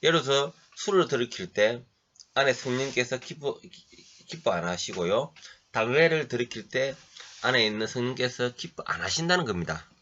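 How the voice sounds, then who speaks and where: Throat-clearing man preaching, dull lo-fi sound. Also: medium pitch, very animated, bright, forceful tone, slight background noise. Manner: halting delivery, frequent throat clearing and fillers. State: has a head cold. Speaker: pastor. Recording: dull lo-fi recording.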